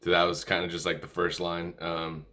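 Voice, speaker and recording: A man giving an informal music lesson, calling out notes in a halting, easygoing way and correcting himself as he goes. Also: deep voice, completely flat delivery, bright, forceful tone, a little hiss or hum. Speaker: music tutorial instructor. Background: musical instrument playing between and under phrases.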